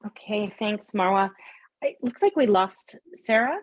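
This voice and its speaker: A middle-aged woman moderating a panel in a friendly, brisk, polite way on a video call. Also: mid-range voice.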